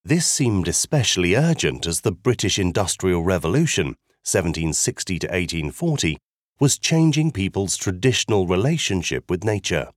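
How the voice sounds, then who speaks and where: A man with a very low, deep voice narrates a literature lesson. His delivery is clear and measured, rising and falling expressively. The sound is dry and close, with no room around it. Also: sing-song, dry recording. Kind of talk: scripted educational narration.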